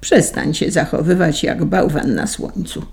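A woman's voice: low voice, very animated, unhurried, vocal fry, a little mellow, heavily acted. A woman reading the part of an irritated, bossy little hare who puffs and scolds in a storybook. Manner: puffing, scolding.

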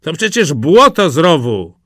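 A man's voice: on the high side, very animated, measured pace, fairly bright tone, dry recording, clean studio sound, pitched above the performer's own voice. Man doing smug mocking brothers. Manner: scornful and mocking. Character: two smug, learned older brothers, mocking.

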